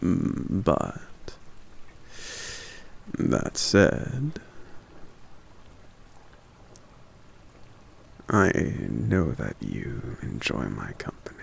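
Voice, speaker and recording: A man voicing a gentle, courteous forest giant in an ASMR roleplay, speaking softly and hesitantly with polite hums and pauses. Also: wildly swooping pitch, exaggerated voice. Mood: fond, courteous. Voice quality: very deep, gravelly.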